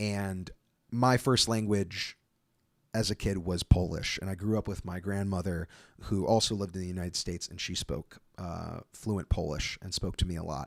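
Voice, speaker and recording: Very deep and low in pitch, a man speaks in a Midwestern American accent at a moderate pace with ordinary pitch variation. The recording is very clean with a silent background, the sound dry and close with no echo. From Chicago area, Illinois. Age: 20s. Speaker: YouTuber. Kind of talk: casual live stream chat. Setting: studio. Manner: animated.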